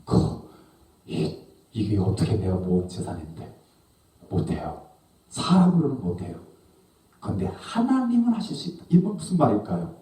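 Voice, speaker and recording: A male pastor preaching a sermon, swinging between loud questions and hushed, low asides. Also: huge pitch swings, normal speed, pauses often. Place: church sanctuary. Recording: echoey church hall from a distance.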